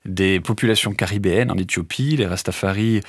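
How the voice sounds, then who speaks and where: A man's voice: sits low, a little fast, slightly rough, no room sound, studio quality. A man being interviewed on radio as an author, answering thoughtfully and hesitantly, with many filler sounds. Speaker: author and guest.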